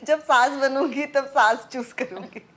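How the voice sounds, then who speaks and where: A woman's voice: high-pitched, unhurried, fairly bright tone. A young actress chatting candidly as an interview guest, mixing English phrases into her Hindi.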